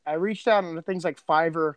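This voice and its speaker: A man's voice: a little high, moderate pace, no echo. A middle-aged man co-hosting a podcast, chatting casually in a rambling, slangy, joking way. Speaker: podcast co-host and co-creator. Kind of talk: casual chat.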